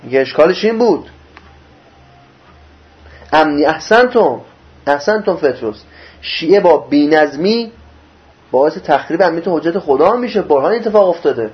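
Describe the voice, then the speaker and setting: High-voiced man teaching religious text, lo-fi. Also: expressive, long pauses. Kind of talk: religious lesson explaining a scripture commentary. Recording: dull lo-fi recording.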